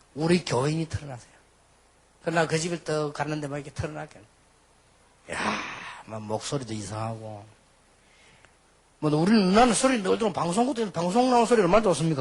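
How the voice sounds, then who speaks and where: In a Busan accent, a man speaks at a fairly quick pace with a fairly high pitch, very wide pitch swings, big swings in loudness, and long, frequent pauses. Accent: Busan dialect (Gyeongsang). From South Korea, Busan. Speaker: pastor. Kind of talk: sermon. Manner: animated.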